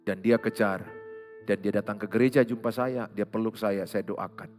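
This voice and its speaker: A man preaching a sermon as pastor, with a Medan Indonesian accent, swinging from loud rebukes to quiet asides. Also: on the low side, fairly even intonation, moderate pace. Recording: long hall reverb, faint music behind.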